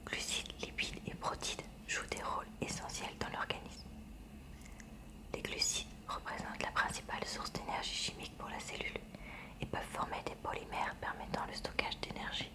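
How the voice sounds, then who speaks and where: Whispering softly from start to finish, as if in a library, a woman works through a school textbook for ASMR. Her enunciation is careful and deliberate.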